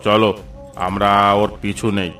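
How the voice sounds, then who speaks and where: A man voicing a gruff, commanding middle-aged police officer in a cartoon. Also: fairly low pitch, level tone, a little slow, a bit bright, distant mic, soft background music. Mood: stern. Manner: commanding, dismissive.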